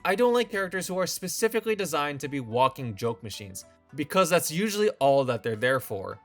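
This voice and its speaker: Lively wry young man with faint music. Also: a little high, a little fast. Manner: wry, opinionated, lively delivery. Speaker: video essay host. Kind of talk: scripted commentary.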